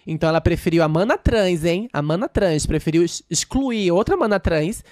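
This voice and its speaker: Her voice lowish, a trans woman who works as a dancer tells a story on a podcast in a casual interview, speeding through it and animatedly acting out others' quoted speech. The podcast studio recording is studio quality with no room sound.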